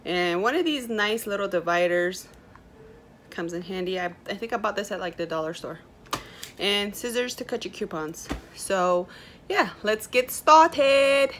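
A woman's voice: mid-range voice, expressive, a little slow, fairly bright tone, a little hiss or hum. Chatty young Native American woman vlogging. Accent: Native American reservation accent. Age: young adult. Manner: chatty, informal, rambling. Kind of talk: casual vlog chat. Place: small room indoors.

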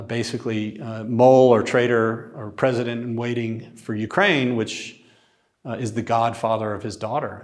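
A man in his forties lectures in a small classroom with a screen behind him. He talks in a loose, conversational way with plenty of restarts and filler words, at a middle pitch. The sound comes from a camera across the room rather than a close mic. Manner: conversational, animated, gestures while talking.

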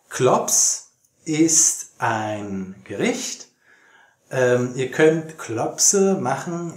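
A young man teaching German to learners, speaking slowly and deliberately with many fillers, recorded in a small plain room. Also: mid-range voice. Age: young adult. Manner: very slow and deliberate, many fillers, animated reading. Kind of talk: slow, clear teaching for learners. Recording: roomy echoey room.

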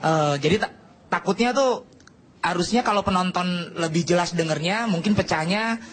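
A man's voice: high voice, normal speed, slightly rough. A man judging a stand-up comedy show, explaining the comic's timing with analytical feedback. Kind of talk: giving feedback on a set. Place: TV studio.

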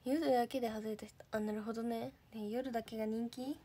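A slightly high-voiced young woman from Japan chats casually into her phone. She sounds bubbly and talkative as she reads viewer comments and thanks them one by one. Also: fairly even intonation, fairly quick, dark tone, breathy edge. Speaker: idol livestreamer. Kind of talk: casual livestream chat reading comments.

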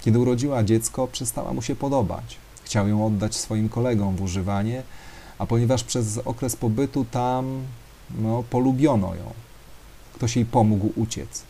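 A man's voice: medium pitch, normal speed, mellow, a little hiss or hum. A man telling a story to an audience, talking hesitantly with fillers and speaking directly to his listeners.

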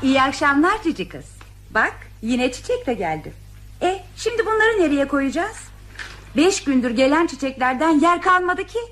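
Old radio play: teasing, motherly nurse, high voice with a lively melody. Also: moderate pace, faint music behind. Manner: firm and affectionate, fond of teasing. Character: teasing, motherly hospital nurse, adult woman. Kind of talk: old radio drama acting.

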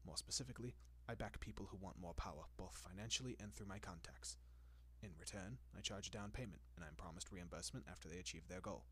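A man playing a doting, possessive centuries-old vampire in an intimate roleplay audio, speaking in a genteel, coaxing manner with lingering pauses. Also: deep voice, a bit bright, slightly rough. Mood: composed, confiding.

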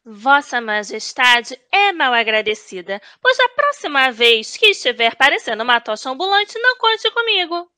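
Sassy royal maid played by a woman, very high sharp voice, Brazilian accent, comic radio play. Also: sing-song, moderate pace, hardly any pauses, full character voice. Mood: indignant. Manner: sarcastic, cheeky. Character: insolent, sassy royal maidservant, complaining to her king. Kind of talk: comic audio drama acting.

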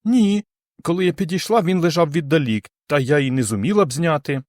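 A gentle young woman in a science-fiction audiobook, voiced by a male narrator, thoughtful and a little sad. She speaks softly, pitched higher than the reader's own voice. The recording is dry and close. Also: brisk, dry recording, close to an everyday voice. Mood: wistful. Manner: soft, wistful.

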